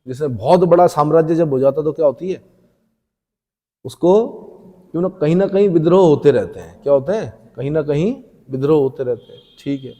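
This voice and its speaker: A man's voice: fairly high pitch, mellow. A male teacher giving an exam-prep lecture. He asks questions and answers them himself, and he repeats the key terms. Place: coaching classroom. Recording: echoey room with long reverb.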